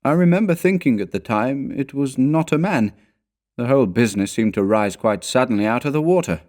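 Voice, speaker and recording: Man voicing a grave, frightened, fatalistic companion, pitch raised. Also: lively intonation, brisk, darkish tone, lightly acted. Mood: grave, wondering. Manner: intense, foreboding. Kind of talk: storybook character dialogue.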